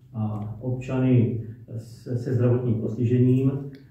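Amid strong room echo, a man speaks fairly slowly in a monotone, flat voice. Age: 60s. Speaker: deputy mayor. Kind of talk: press conference. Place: meeting room. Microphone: camera far.

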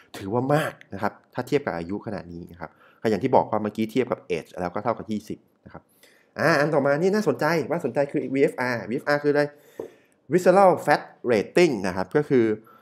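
A man's voice at medium pitch, with vocal fry. His pitch swings very widely and his loudness rises and falls a great deal. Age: 30s. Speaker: health and anti-aging content creator. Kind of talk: casual vlog talk.

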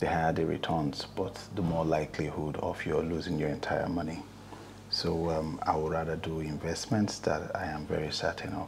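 A man speaks with a very deep, low pitch in a monotone, flat intonation. Noticeable background noise is present. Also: moderate pace. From Nigeria, Lagos. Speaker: real estate developer. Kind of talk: interview.

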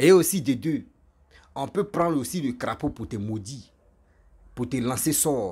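Somewhat breathy, a man talks in an animated tone with very wide pitch swings. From Ivory Coast, village upbringing. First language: Ivorian local languages (speaking French). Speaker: YouTuber; vlogger on traditional beliefs. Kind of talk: casual vlog monologue; casual vlog chat. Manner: animated, repetitive. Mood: earnest, warning. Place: home room. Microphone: studio mic.

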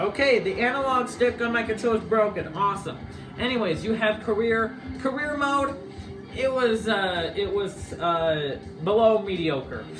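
With music in the background, a man talks at a moderate pace. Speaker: game reviewer. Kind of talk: casual game review commentary. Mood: relaxed, mildly frustrated. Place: home room. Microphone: phone near.

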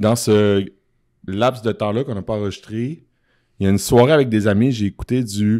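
The speaker has a Quebec accent and a dark, mellow tone. The pace is moderate over a quiet background. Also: man, fairly low pitch for a man, fairly even intonation. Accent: Québécois French. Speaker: podcast co-host. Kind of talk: casual chat. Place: home room. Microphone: studio mic.

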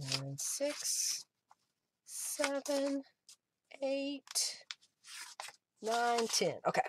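A woman with a high voice speaks very slowly, with fairly even intonation and long, frequent pauses, over noticeable background noise in a dry recording with no echo. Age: 50s. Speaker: craft artist and online shop owner; crafter hosting a live stream. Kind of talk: live-stream craft tutorial with chat. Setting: live stream, home craft room. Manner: chatty, frequent laughter. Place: home room.

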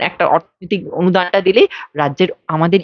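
In an animated tone, a woman with a fairly low pitch speaks with ordinary pitch variation. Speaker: political activist. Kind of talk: interview.

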